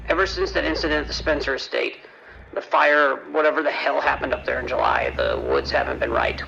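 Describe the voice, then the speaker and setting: Actor as sharp, very gravelly male sheriff's deputy. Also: on the high side, full character voice. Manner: terse, grim, confiding. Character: weary, tense, guarded male county sheriff's deputy dispatcher. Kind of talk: horror audio drama radio acting. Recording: muffled police radio with faint noise.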